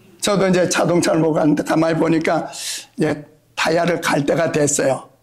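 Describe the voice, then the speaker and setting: Noticeable background noise accompanies a man with a high voice speaking at a moderate pace. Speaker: retired pastor and college president. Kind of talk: sermon.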